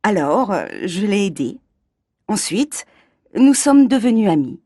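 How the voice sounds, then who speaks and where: A woman from France performing everyday scenes in a scripted dialogue for learners, speaking clearly and expressively. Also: medium pitch, very animated, takes it slowly, warm tone, no room sound, clean studio sound.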